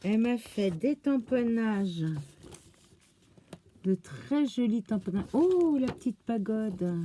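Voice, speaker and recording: A woman hosting a craft channel, gushing with oohs and exclamations as she slowly unpacks crafts in casual chat. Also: mid-range voice, mellow, slight background noise. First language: French. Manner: slow, thinking aloud as she unpacks.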